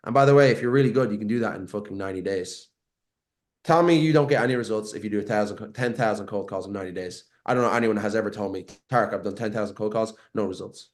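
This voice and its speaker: A man's voice: on the low side, fast. Brash, swearing young man. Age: 20s. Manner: brash, profane, talks in bursts and repeats himself. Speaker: guest, marketing agency owner. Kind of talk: casual podcast interview. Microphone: video call.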